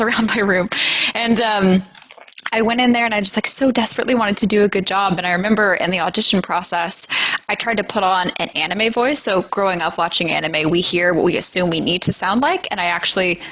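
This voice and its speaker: A young woman with a deeper-pitched voice, telling stories in a chatty, animated way during a casual interview. Her pitch sits in a middling range for a woman. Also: rough recording. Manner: chatty, animated storytelling with laughs. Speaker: anime voice actress, guest.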